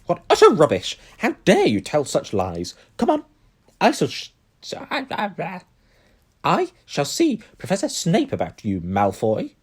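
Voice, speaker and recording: A man voicing an older female professor, stern and furious, shouting at a pupil. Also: fairly high pitch, wildly swooping pitch, unhurried, breathy edge, pitched above the performer's own voice, full character voice. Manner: shouting, outraged.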